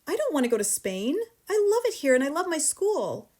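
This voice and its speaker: A woman's voice: very animated, moderate pace. A woman voicing a frantic little girl. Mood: alarmed. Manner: high, breathless, pleading cries. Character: small bright girl, eager and easily upset.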